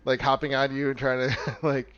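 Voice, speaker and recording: A man's voice: mid-range voice, little pitch movement, moderate pace, a bit bright, dull audio. A man narrating a tabletop game as game master, casual and rambling, often breaking into laughter.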